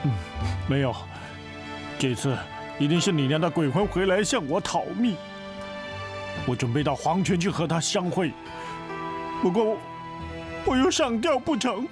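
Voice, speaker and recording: Playing the young woman's guilt-ridden father, who repeatedly tries to die, this actor uses a high-pitched, sing-song voice at normal speed, pausing often. He wails theatrically, shifting between sobbing and rambling storytelling in a period martial-arts TV drama with a music score.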